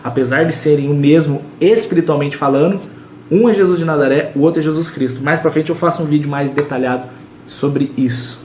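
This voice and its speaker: Brazilian male Bible teacher, fairly high voice, punchy and repetitive, echoey room. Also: brisk, a little mellow, a little hiss or hum. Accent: Brazilian Portuguese. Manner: emphatic and repetitive, with slangy asides. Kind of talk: casual Bible study talk.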